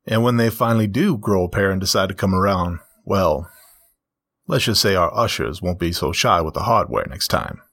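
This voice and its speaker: A rough-spoken male creature elder, read by a man, blunt and folksy with a husky low voice. He drawls his words plainly and bluntly. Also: animated, normal speed, fairly bright tone, no echo, full character voice. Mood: gruff approval.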